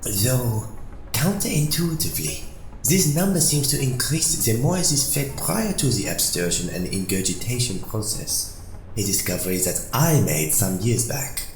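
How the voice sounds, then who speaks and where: Actor as clinical male researcher. Medium pitch, precise formal delivery, roomy echo. Audio drama. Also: sing-song, moderate pace. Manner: precise, technical, formal wording. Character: measured, clinical scientist proud of his discoveries. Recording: echoey room with faint noise.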